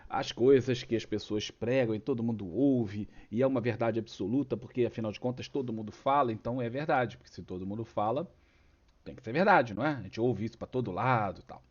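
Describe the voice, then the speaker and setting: Here a man with a mid-range voice talks briskly over lo-fi sound. He's a Brazilian stock market channel host, Brazilian Portuguese accent and all, fighting a cold and a cough while chatting casually about charts and asking rhetorical questions.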